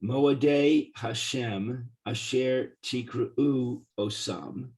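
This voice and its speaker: A hoarse man reads Torah verses aloud over a video call and translates them. He repeats words while he reaches for the translation. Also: mid-range voice, very slow, darkish tone. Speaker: study partner.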